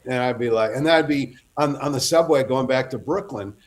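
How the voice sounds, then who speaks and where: A man's voice: medium pitch, brisk. Rambling middle-aged male storyteller. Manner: rambling anecdotal storyteller, self-interrupting. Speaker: guest author. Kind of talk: casual interview chat.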